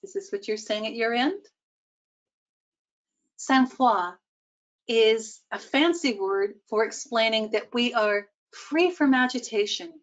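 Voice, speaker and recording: A woman's voice: on the high side, expressive, moderate pace, hardly any pauses, dull audio. A woman giving a talk on public speaking to a group, engaging and often putting questions to her listeners. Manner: engaging, asks the audience questions. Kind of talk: presentation to a group.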